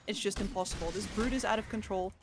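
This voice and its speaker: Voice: medium pitch, fast talker, over music. An esports color commentator explaining hero and item choices in analytical commentary.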